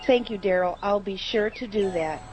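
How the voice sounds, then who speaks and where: A woman's voice: medium pitch, moderate pace, a little mellow, slight background noise, close to an everyday voice. A woman playing a polite, plainspoken, homely neighbor in a radio drama. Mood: grateful. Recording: slightly muffled audio.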